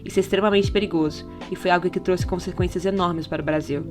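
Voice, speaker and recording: A woman's voice: fairly low pitch, fairly even intonation, fast. A Brazilian woman reading a scripted podcast essay in an explanatory manner, often posing rhetorical questions. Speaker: podcast narrator. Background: background music.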